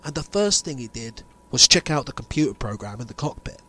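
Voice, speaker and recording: A man playing a grave insider revealing a sinister conspiracy in an amateur audio drama, speaking deliberately with dramatic pauses. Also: medium pitch, very animated, pushed and bright, slightly rough, heavily acted. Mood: explanatory, intent.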